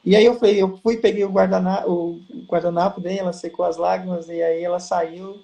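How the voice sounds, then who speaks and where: A man's voice: high voice, fairly quick, gravelly. A Brazilian man on a video call, telling stories as an interview guest and acting out quoted exchanges. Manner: storytelling, animated quoting. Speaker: guest, pharma district manager. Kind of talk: casual live interview.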